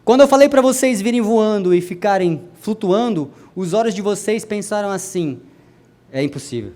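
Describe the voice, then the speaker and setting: High-voiced man preaching a sermon. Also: normal speed. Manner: addresses the congregation directly, wide swings in pitch and loudness.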